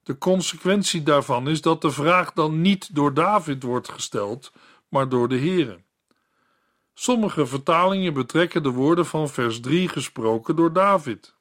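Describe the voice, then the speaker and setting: A man reading a scripted Bible commentary in a calm, measured way, as a Bible teacher. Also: on the high side.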